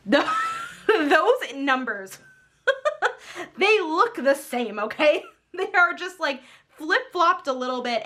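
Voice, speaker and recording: A young woman vlogger chatting casually while crafting, rambling with many fillers and frequent laughs, her voice slightly hoarse. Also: high-pitched, fairly bright tone.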